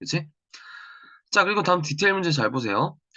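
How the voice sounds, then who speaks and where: A man talks with vocal fry. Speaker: school literature teacher. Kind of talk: lecture. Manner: slightly slurred pronunciation.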